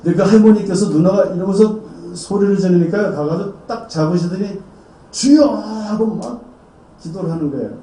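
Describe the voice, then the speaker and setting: The pastor's voice here sits high and has a dark tone, moving fairly quickly as he acts out characters in his dramatic testimony. It's captured in a church hall with a roomy, far-off sound and faint ambience.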